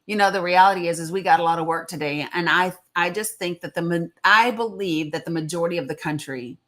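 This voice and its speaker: A woman's voice: on the low side, fast talker, a bit bright. A middle-aged woman, hosting a casual political live chat in an informal, encouraging way. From Tennessee, United States. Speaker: live stream host.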